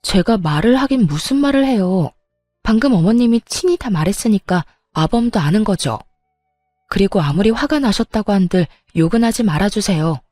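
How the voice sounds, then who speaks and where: A woman's voice: mid-range voice, expressive, moderate pace, mellow, no echo, faint music behind, natural voice. A woman voicing a pregnant young wife who speaks in a polite but firm way in a narrated story.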